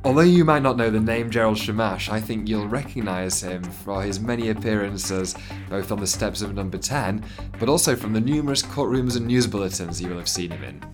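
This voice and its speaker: A man's voice: on the low side, brisk, music in the background. A man hosting an interview podcast, friendly and a little hesitant, with many fillers. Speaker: podcast host.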